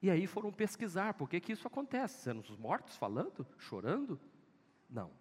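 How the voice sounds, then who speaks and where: A man's voice: high-pitched, huge pitch swings, brisk, darkish tone, breathy edge. A male pastor with a Northeastern Brazilian accent, preaching an emphatic sermon full of repeated exhortations in a church. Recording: echoey church hall.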